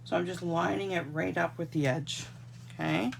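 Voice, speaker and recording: In a casual live craft tutorial, a Canadian woman shows card-making at her desk, chatting to viewers as she works, congested from an oncoming cold. Her fairly low, gravelly voice keeps fairly even intonation at a moderate pace over slight background noise, filmed by an overhead camera showing only her hands.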